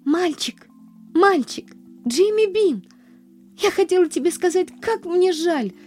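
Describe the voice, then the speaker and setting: Storybook little girl, high and earnest, soft mellow tone, voiced by a woman, faint music behind. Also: expressive, normal speed. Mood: apologetic.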